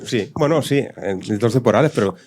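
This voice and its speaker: A man's voice: medium pitch, animated, fairly quick, a little mellow, breathy edge. A man chatting casually as a guest on a live panel. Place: live event venue with audience.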